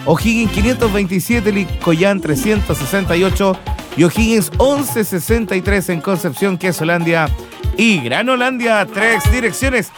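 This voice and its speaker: High-voiced playful radio man. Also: moderate pace. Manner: playful, jokey, often sing-song and laughing. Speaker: radio host. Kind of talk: lively radio banter. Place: radio studio. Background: music.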